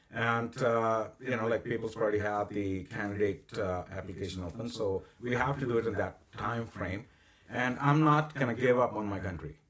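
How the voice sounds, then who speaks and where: Pitched in the medium range with ordinary variation, a man talks at a moderate pace. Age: 50s. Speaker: political candidate. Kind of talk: interview. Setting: studio. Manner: halting, repetitive.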